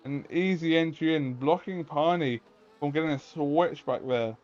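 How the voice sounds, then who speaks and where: A man's voice: on the high side, normal speed, a little mellow. A man giving live motorsport commentary, calling the action move by move and throwing in rhetorical questions. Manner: running play-by-play calls mixed with rhetorical questions. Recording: dull lo-fi voice audio.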